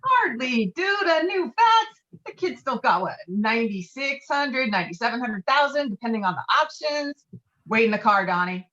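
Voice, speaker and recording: A woman's voice: on the high side, sing-song, moderate pace, pushed and bright. Woman playing a brash, blustering guy, lo-fi audio. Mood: scheming, sure. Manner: blustering, swearing, insistent. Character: brash, foul-mouthed, domineering male friend named Walter. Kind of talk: virtual table read of a film script. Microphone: video call.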